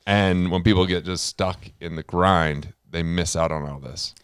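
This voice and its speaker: Male host, smooth resonant low voice that carries, relaxed interview chat. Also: unhurried, dry recording, clean studio sound. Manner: loud, carrying voice. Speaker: podcast host. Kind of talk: casual conversation. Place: indoor room with whiskey and pipes.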